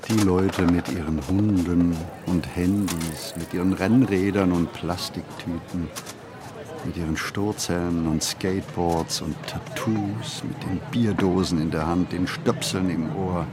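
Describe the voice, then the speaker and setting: A man playing a pensive city wanderer in a radio play, narrating a literary monologue with deliberate, measured phrasing and pauses. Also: low voice, steady tone, background noise. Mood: musing. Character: pensive male city wanderer musing on modern life. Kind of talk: scripted literary monologue, reflective first-person narration.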